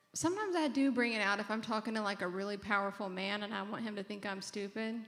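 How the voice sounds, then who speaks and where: Noticeable background noise sits behind a woman with an American accent who talks at a very fast pace, with a medium pitch and ordinary pitch variation. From US South, rural Louisiana. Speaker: journalist and author. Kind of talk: public conversation Q&A.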